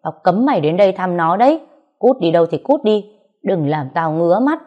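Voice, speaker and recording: A woman's voice: lowish voice, lively intonation, normal speed, muffled recording. A woman voicing a crude, spiteful brother-in-law who sneers and insults. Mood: contemptuous.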